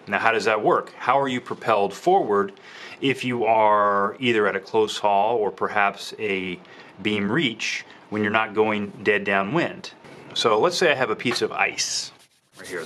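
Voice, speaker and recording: Male sailing instructor, 40s, lowish voice, patient explainer, on a boat with faint background noise. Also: fairly bright tone. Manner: patient, explanatory, asks and answers own questions. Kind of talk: hands-on instructional walkthrough. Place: outdoors on a small sailboat at a dock.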